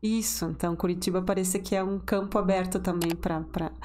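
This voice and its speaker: Woman, young adult, podcast guest, soft-spoken, halting. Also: fairly low pitch, fairly even intonation, a little hiss or hum. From Chile. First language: Spanish. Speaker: guest architect. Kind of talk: casual podcast interview.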